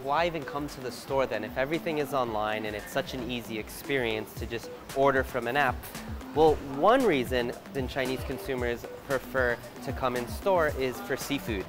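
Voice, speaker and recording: A man in his thirties reporting on location, chatting curiously as he walks through a large supermarket with a handheld camera. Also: medium pitch. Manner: chatty, curious walk-through while shopping. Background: background music.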